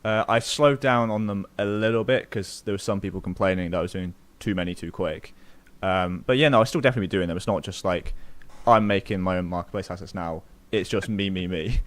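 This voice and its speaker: A man hosting a casual live-stream Q&A about game development, talking in a relaxed, friendly way with quick asides. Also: low-pitched, no room sound. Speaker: YouTube tutorial creator, stream host.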